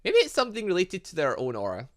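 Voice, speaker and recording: A man giving excitable, rambling commentary as he plays through a game, often thinking aloud. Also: high-pitched, quick pace. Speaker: gaming channel host.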